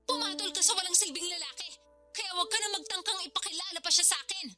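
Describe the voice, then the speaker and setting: A scornful older sister. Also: female voice, extremely high pitch, fast, sharp tone, faint music behind, full character voice. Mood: cold. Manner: scolding, contemptuous. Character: harsh judgmental older sister, teacher. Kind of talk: Tagalog radio drama acting.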